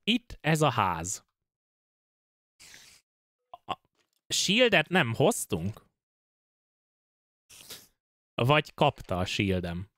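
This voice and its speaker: A Hungarian man casually commenting on his own gameplay, excitable and prone to swearing and yelping at in-game scares. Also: mid-range voice, pauses often, no room sound, clean studio sound. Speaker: gaming streamer. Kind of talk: casual let's-play commentary.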